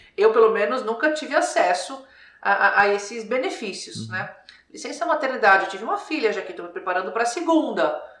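Talking at a fairly quick pace, a woman with a fairly high voice makes very wide pitch swings and big swings in loudness, with audible room echo and noticeable background noise. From Brazil. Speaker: corporate executive and former athlete. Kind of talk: interview.

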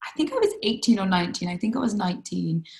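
The woman's voice rests at medium pitch. She keeps a moderate pace. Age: 30s. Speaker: Pilates studio owner. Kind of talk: interview. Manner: hesitant, many fillers.

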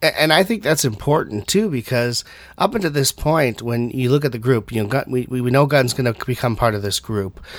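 A man speaks in an ordinary speaking voice, medium in pitch. His pitch variation is ordinary and his pace moderate. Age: 30s. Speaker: podcast co-host. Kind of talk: casual chat.

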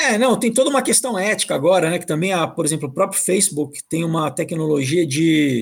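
A high-pitched man speaks at a fairly quick pace. His intonation is lively. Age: 40s. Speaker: actor and writer. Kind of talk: casual chat.

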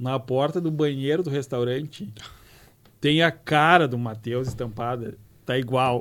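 With a normal speaking voice, a man talks at a fairly slow pace, keeping a medium pitch and ordinary pitch variation. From Rio Grande do Sul, Brazil (Santa Maria). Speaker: podcast host. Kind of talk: casual interview chat.

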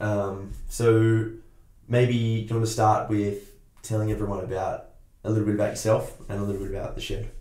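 Somewhat breathy, a man speaks at a moderate pace with a medium pitch. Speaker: podcast host. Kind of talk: casual chat, intro and outro.

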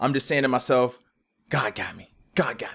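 Energetic, fairly quick male speech at a medium pitch, on a very clean recording with a silent background. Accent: American. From South Miami, Florida; Haitian family. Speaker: business coach and podcast host. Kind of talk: motivational monologue. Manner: casual, energetic.

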